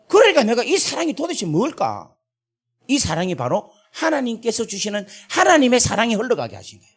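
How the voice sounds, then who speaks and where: A middle-aged male pastor with a Gyeongsang Korean accent, preaching an emotional, animated sermon full of repeated fillers. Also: very high voice.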